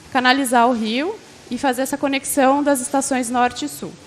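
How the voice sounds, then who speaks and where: With noticeable background noise behind her, a woman speaks at a moderate pace with a high pitch. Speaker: graduate researcher presenting at academic conference. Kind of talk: conference presentation. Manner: soft-spoken.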